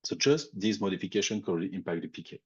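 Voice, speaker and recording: A man's voice: deep voice, animated, fast talker, darkish tone, slightly rough, highs cut off. A man with a French accent presenting a technical webinar, thinking aloud with frequent fillers and restarts. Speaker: industry expert presenting a webinar.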